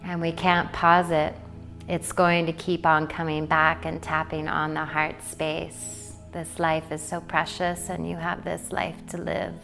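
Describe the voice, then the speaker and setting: Slow, low-voiced woman guiding meditation. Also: level tone, gravelly, a bit bright. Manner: soothing, deliberate phrasing with long pauses. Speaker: guided meditation leader. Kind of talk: guided meditation, poetic spoken reflection. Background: music.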